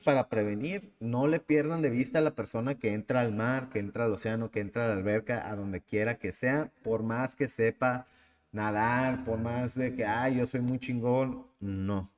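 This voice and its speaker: A man in his thirties with a Mexican accent, hosting a podcast and telling a personal story in a lively, casual way. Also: medium pitch, long reverb tail. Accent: Mexican Spanish. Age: 30s. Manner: animated, acts out the people in his story. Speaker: podcast host.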